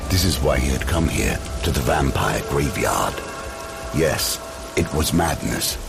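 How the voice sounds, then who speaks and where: A man with a gravelly voice delivering dramatic scripted narration for a gothic horror audio drama. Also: rumbling low, lively intonation, measured pace. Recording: loud cinematic music and rain behind.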